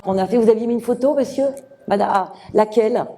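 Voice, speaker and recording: Woman, medium, live reading, dark mellow tone, halting, gentle. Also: on the high side, a little hiss or hum. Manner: hesitant, many fillers and restarts; gentle, reassuring address to the sitter.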